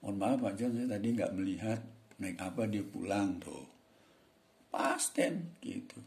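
Male English teacher with an Indonesian accent, lowish mellow voice, chatty and emphatic, reads English lines slowly. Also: gravelly. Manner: mixes Indonesian explanation with slow read-aloud English dialogue lines; chatty, addresses viewers as friends, emphatic corrections. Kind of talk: online English lesson.

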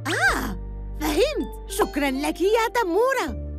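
A good-hearted young cartoon boy. The voice is high, polite and earnest. Children's music runs clearly behind it. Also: very animated, measured pace, full character voice. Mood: earnest, kind. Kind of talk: children's cartoon dubbing in formal Arabic.

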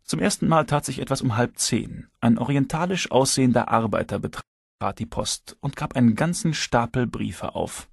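A man narrating an audiobook in the first person, reading in an even, measured way. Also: medium pitch, creaky, husky, no room sound, studio quality.

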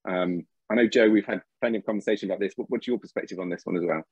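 A low-voiced man with a husky grain moderates a webinar panel over a video call. He talks in a relaxed, conversational way as he moves through slides. The sound is dry and slightly muffled. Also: very fast, no room sound.

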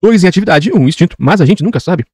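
A man's voice: high-pitched, animated, rapid-fire, a little mellow, husky, no room sound, pitched above the performer's own voice. A man doing a curious little prince boy. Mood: anxious. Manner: earnest, insistent questioning.

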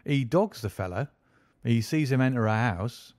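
A man's voice: medium pitch, expressive, moderate pace, a little mellow, no room sound, clean studio sound, lightly acted. A man reading aloud and voicing a brash, self-satisfied police inspector who boasts and insists on his own theory. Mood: boastful.

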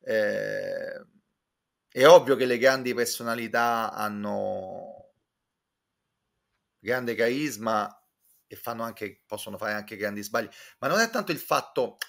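Gravelly man, talking intellectually. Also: on the low side, a bit bright. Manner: intellectual, discursive, halting with repeated self-corrections. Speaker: guest commentator. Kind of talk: casual opinionated discussion, recounting a concert. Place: small room with bookshelves, at home. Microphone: computer mic on a video call.

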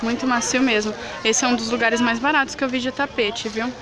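A woman's voice: a little high, fairly even intonation, brisk. A young woman from Brazil chatting enthusiastically to viewers while showing products in a shop. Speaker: shopping vlogger. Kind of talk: casual vlog, showing products. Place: indoors at a busy market shop. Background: crowd chatter.

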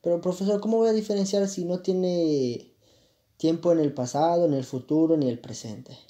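Man doing a lost young student, whiny and exasperated, very dark mellow tone. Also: fairly high pitch, normal speed, voice pushed up, lightly acted. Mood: puzzled. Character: confused young student, male, easily lost.

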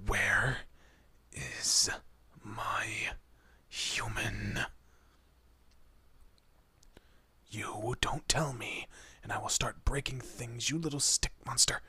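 A man playing a fiercely protective monster in a horror roleplay, with a husky, breathy voice and an intense, deliberate manner. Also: medium pitch, sharp tone, whispered, exaggerated voice. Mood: taunting, threatening. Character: protective male monster, menacing to foes, tender to his human. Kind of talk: dramatic horror roleplay audio.

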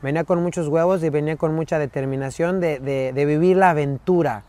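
A man speaks as a podcast guest, his pitch a little high for a man. He tells his stories in an animated way and slips into imitated English phrases. His delivery stays chatty and conversational. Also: fairly quick. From Mexico. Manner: animated storyteller who mimics English phrases. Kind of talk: casual interview storytelling.

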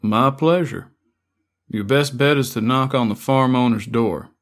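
A man's voice: medium pitch, unhurried, lightly acted. Guy doing a laid back country rider, folksy and helpful. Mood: friendly. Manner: easygoing, folksy. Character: friendly rural man on horseback.

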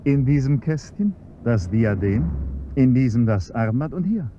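A man's voice: mid-range voice, expressive, unhurried, mellow, lightly acted. A man playing a smug, menacing chauffeur. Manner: polite and servile, then coolly mocking and menacing. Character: scheming blackmailing male chauffeur, cold and smug. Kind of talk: 1970s-style German radio play acting. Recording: dull, faintly hissy old radio-play recording.

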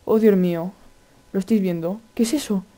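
A man with a Spain Spanish accent giving casual, excitable gameplay commentary, chatty and full of exclamations. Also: sits high, brisk, slight background noise. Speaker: gaming video host.

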